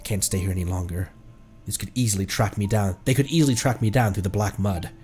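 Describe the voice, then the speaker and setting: A man's voice: on the low side, quick pace, a little mellow, slight background noise. A man commentating live on a game he plays and reading its text aloud, in a playful, exclaiming manner. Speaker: game streamer. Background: music.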